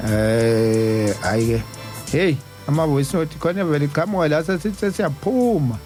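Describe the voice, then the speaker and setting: Male South African talk host, casual delivery, slightly high voice, music underneath. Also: normal speed, darkish tone. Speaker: radio host. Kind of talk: casual talk show hosting.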